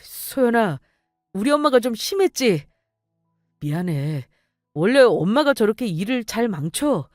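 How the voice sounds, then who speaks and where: A woman's voice: fairly high pitch, sing-song, a little slow, no room sound, studio quality, faint music behind. A woman voicing a young boyfriend who whines and sulks. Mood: wheedling. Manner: whiny, sulking, complaining. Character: sulky young man, whining boyfriend.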